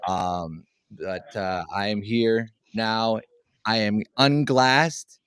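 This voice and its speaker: A man's voice: lowish voice, very slow, a bit bright, smooth, no room sound, clean studio sound. A man co-hosting a comedic podcast chat with a robotic, metallic-sounding voice and a hammy, showman-style delivery. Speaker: co-host.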